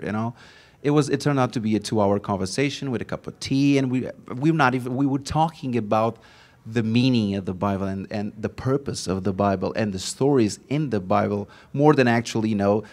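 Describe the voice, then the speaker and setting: A man's voice: fairly low pitch, darkish tone. A man from Portugal, an actor recalling his film work earnestly at a panel, often restarting his sentences. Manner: earnest, halting with many restarts. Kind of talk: casual recollection at a panel.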